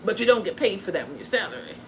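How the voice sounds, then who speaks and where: A woman's voice: medium pitch, big pitch swings, very fast, a little hiss or hum, rough recording. A woman born in Guyana and raised in the US, hosting a casual crafting livestream, chatty and blunt, swearing freely and joking at her own expense. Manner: blunt and profane, chatty, self-deprecating. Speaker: crafting content creator and livestream host.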